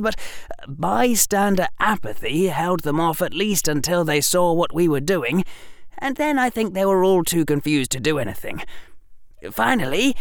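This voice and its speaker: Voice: mid-range voice, creaky, no echo, studio quality, pitched above the performer's own voice. A reader doing a smug, theatrical young boy wizard. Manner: lecturing, mock-villainous, deadpan. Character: clever theatrical eleven-year-old boy wizard. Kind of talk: audiobook reading.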